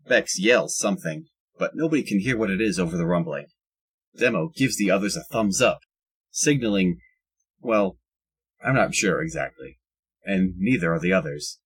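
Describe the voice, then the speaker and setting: A man with a husky voice reading scripted audio drama narration, with wry asides. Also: low voice, fairly bright tone, poor audio.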